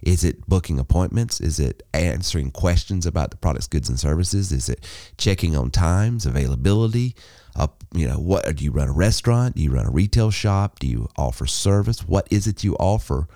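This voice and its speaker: A man's voice: low voice, expressive, a little fast, dark tone, no echo, clean studio sound. A man hosting a business podcast, talking emphatically and persuasively in repeated listing phrases. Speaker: podcast host. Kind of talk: solo business podcast monologue.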